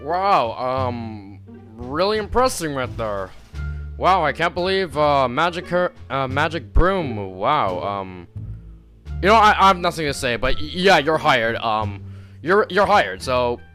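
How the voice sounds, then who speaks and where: Man playing a bewildered principal, lively pitch swings, rambling, fillers, restarts. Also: close to an everyday voice. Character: male school principal, bewildered and excitable. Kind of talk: amateur animation voice acting.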